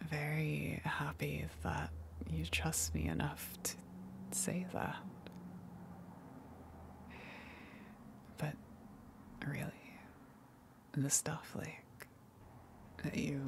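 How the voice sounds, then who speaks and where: A woman voicing a friendly eldritch monster in an ASMR roleplay, in a breathy whisper with a halting, coy, gently teasing manner. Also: low voice, exaggerated voice. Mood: flustered, coy.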